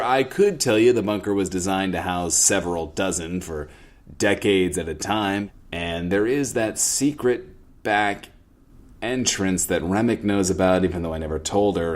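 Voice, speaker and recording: A man playing a wry, nervous post-apocalyptic radio host in a comedic audio drama, with a halting, sarcastic delivery. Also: low voice, lightly acted. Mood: wry, evasive.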